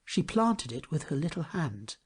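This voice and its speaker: Male audiobook narrator for children's classics. Dramatic, animated intonation, slightly rough-edged tone. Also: fairly high pitch, moderate pace. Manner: expressive, dramatic storytelling. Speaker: storybook reader. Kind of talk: scripted storybook narration.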